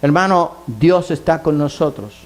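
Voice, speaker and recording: Fervent man preaching a sermon, fairly high voice. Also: animated, a little slow. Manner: earnest preaching, rising to emphatic high passages; repeats phrases in fervent lists. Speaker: pastor. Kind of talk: sermon and closing prayer.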